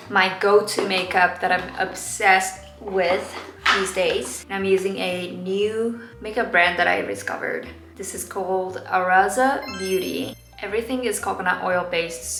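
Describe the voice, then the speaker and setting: A young woman with a Japanese accent, soft and relaxed, filling her talk with little "um"s and "like"s as she walks through a makeup routine. Her voice sits in a middle register. It bounces off the hard walls of a small home bathroom, with faint music underneath. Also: mid-range voice, unhurried. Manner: soft-spoken, relaxed, many fillers. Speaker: makeup vlogger and dancer. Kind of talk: casual makeup tutorial talk. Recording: roomy bathroom echo.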